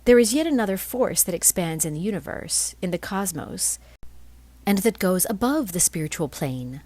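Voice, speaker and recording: A woman reading a spiritual text aloud as scripted narration, in measured phrases with deliberate pauses. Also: lowish voice, lively intonation, dark tone, dry recording. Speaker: reader of a spiritual blog.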